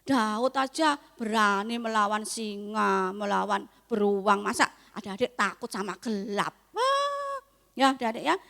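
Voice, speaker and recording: A young woman teaching a Sunday school lesson, coaxing and lively with the children. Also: mid-range voice, measured pace, vocal fry. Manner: lively, coaxing, talks to kids. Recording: echoey hall.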